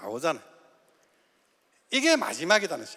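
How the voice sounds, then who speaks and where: A man's raised, projected voice, bright and sharp in tone, racing at a very fast pace through very wide pitch swings. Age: 60s. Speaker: network marketing distributor. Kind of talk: motivational seminar talk.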